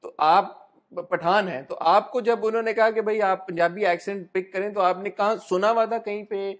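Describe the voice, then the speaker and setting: A man's voice: high voice, fairly even intonation, moderate pace. A man with a Pakistani accent hosting an interview, asking questions in a jokey, playful way. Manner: jokey and playful, praises the guest.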